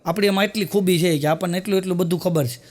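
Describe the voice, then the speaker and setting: A man's voice: high-pitched, fairly even intonation, darkish tone. A man doing stand-up, piling up repeated phrases toward a punchline. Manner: rapid rhythmic repetition building to a punchline. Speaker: stand-up comedian. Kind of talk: live stand-up storytelling.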